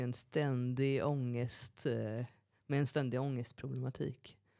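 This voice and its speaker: Very slowly, a man talks in a dark, mellow tone. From Sweden, Gamleby near Västervik. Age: 30s. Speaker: podcast guest sharing life story. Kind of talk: personal testimony in casual conversation.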